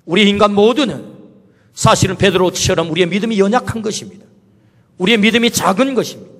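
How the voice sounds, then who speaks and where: A man's voice: sits high, fast talker, fairly bright tone. A male pastor preaching a sermon, asking many rhetorical questions and quoting Jesus in a personal, spoken manner. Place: church sanctuary. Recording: reverberant church hall.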